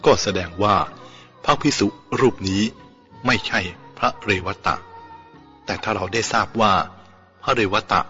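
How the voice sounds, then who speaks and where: A man reading as an old uncle, slow and shaky. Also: on the low side, bright, forceful tone, big-room sound. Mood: firm. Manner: slow, shaky, then firm and earnest. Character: elderly male Brahmin uncle, anxious and protective. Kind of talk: audiobook character voice. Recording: dull lo-fi with faint music.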